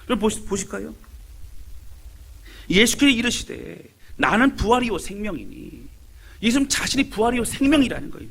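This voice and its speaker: A man's voice: high voice, gravelly, fairly bright tone, husky. A male pastor from Seoul preaching a sermon, emphatic and speaking straight to his congregation. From Seoul, Korea. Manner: emphatic, addressing the congregation directly.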